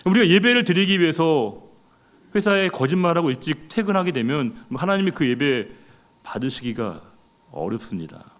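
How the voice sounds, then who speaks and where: A man's voice: fairly high pitch, very animated, moderate pace, fairly bright tone. A middle-aged man preaching a sermon as a pastor, talking conversationally and putting rhetorical questions to the congregation.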